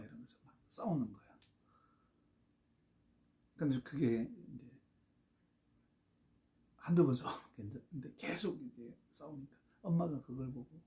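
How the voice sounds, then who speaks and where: Mellow-voiced man with a Gyeongsang accent. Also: mid-range voice. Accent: Gyeongsang Korean. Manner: halting, with many fillers and restarts. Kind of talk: personal storytelling.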